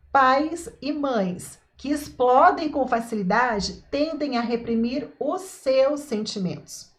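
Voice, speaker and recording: Upbeat woman hosting a parenting live. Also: high-pitched. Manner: warm, encouraging, asks the audience questions. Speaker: parenting live-stream host. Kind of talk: live-stream parenting talk, reading viewer comments.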